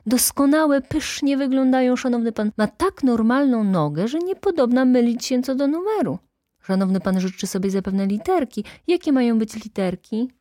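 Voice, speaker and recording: A woman's voice: on the high side, lively intonation, normal speed, mellow, no echo, pitched above the performer's own voice, close to an everyday voice. A woman voicing a foppish young male shop clerk in an audiobook, glib and theatrical, with effusive, exaggerated politeness. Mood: obsequious, brisk.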